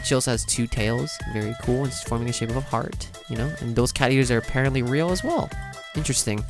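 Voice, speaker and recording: A man giving casual, slangy and exclamatory reaction commentary as a video host. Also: medium pitch. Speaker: video host, game reaction content creator. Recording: music playing behind the voice. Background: music.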